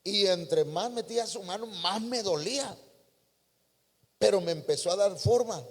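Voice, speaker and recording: A man's voice: high voice, unhurried, breathy edge, voice pushed up. A man voicing a humble female clay cup recounting her shaping, plaintive, with a Mexican accent. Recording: long hall reverb.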